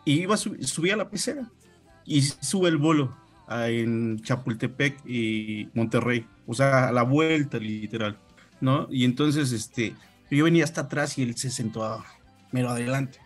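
A man's voice: medium pitch, unhurried. Mexico city guy, average voice, rambly story with lots of fillers, faint music. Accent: Mexico City Spanish. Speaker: radio show co-host. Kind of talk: casual storytelling among friends.

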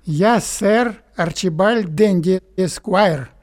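An actor playing a haughty English gentleman with a pompous, mannered delivery in an audio play. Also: sits high, slow pace. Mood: haughty, challenging. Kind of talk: theatrical audio play acting.

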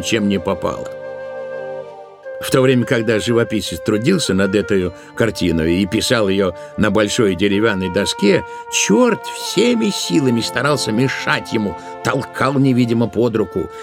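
A man narrating a literary tale for an audio play in an expressive, deliberate way, drawing out certain words. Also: mid-range voice, gravelly. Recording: music behind the voice. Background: musical accompaniment.

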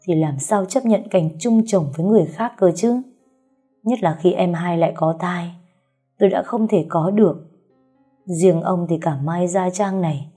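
Woman doing a scheming first wife, bitter, tearful, mellow tone. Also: fairly low pitch, slightly rough.

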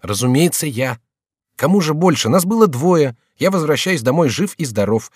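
A man voicing a rash young nobleman with a sardonic, brisk manner, in an audiobook reading. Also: fairly high pitch, animated, no echo, clean studio sound, pitched above the performer's own voice. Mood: wry.

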